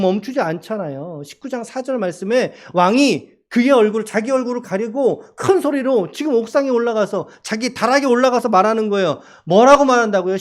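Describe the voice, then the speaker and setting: A man preaching a sermon as a pastor in a church, asking the congregation questions and crying out quoted lines dramatically. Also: very high voice. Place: church sanctuary.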